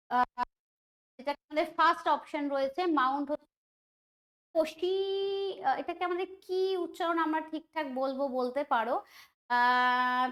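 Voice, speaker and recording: A woman whose voice sits high and sounds a bit bright teaches an online quiz class for exam prep. She chats, reasons out loud and keeps asking the students questions.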